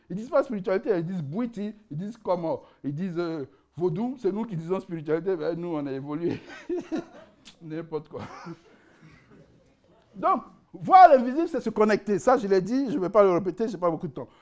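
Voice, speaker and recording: A man giving a conference lecture, animated and joking, often repeating words as he searches for the right phrasing. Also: high-pitched, brisk. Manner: animated, jokes, laughs at own asides. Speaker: conference speaker presenting his book.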